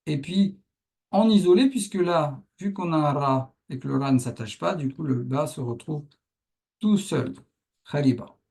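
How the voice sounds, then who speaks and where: A man's voice: a little high, measured pace, vocal fry, darkish tone, slightly rough. A man teaching the Arabic alphabet in French, patiently explaining as he writes out examples. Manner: patient, thinks aloud while writing. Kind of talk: explaining a writing lesson.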